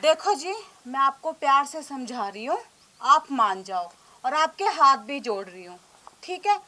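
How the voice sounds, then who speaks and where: A woman's voice: sits high, expressive, a little slow, sharp tone, raised voice, a little hiss or hum, full character voice. A woman playing a bossy, domineering young wife in a comedy skit, scolding and ordering her husband about. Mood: coaxing. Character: bossy young wife, later a sharp mother-in-law.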